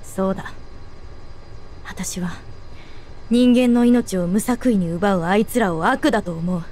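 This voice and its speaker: An actress voicing a blunt, tomboyish teenage girl soldier in a game, speaking in a terse, gruff way. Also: measured pace, a little mellow, slight background noise, lightly acted. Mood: earnest. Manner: gruff, terse, low-key. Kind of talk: game voice acting. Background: game music.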